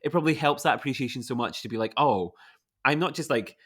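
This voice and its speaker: A young man hosts a podcast in a mid-pitched voice. He asks his questions in loose, rambling sentences, circling back and restarting as he talks. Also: lively intonation, fast, a bit bright, breathy edge. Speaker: podcast host. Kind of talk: casual interview chat.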